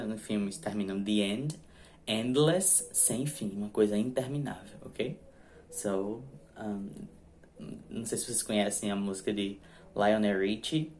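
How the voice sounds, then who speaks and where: A man's voice: on the low side, a little mellow, slight background noise. A man with a Brazilian accent, a native Portuguese speaker teaching English words and tagging his explanations with "ok?". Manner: explains slowly, drops tag questions (ok?, né?) after each point. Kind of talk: recorded online lesson.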